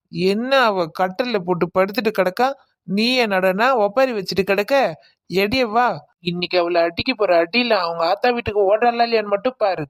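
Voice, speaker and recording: A woman voicing a loud drunk village husband who blusters and threatens with slurred swagger. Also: mid-range voice, no room sound, clean studio sound, natural voice. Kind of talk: cartoon comedy voice acting.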